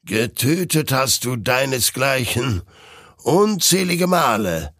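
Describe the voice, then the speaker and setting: Man doing a ghostly death rider, all-knowing, menacing, very slow and drawn out, high and gravelly. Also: very animated, a bit bright, no echo, clean studio sound, heavily acted. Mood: slow menace.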